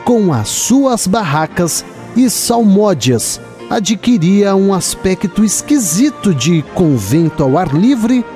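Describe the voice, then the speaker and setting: A Brazilian man narrating a literary radio drama in a measured, expressive storytelling manner. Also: sits high, faint music behind.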